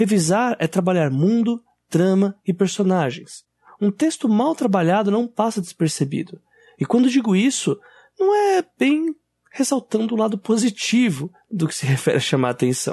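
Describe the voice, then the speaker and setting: A man's high-pitched voice with a dark, mellow tone and very wide pitch swings, at a moderate pace, in a dry, close sound with no echo. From Brazil, São Paulo. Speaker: podcast host. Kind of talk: scripted narration.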